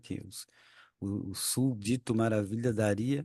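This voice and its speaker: Against a quiet background, a man speaks fairly slowly at a medium pitch with fairly even intonation. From Brazil, São Paulo (born in Bahia, left as a baby). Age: 60s. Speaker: poet. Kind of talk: interview. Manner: halting, many repetitions.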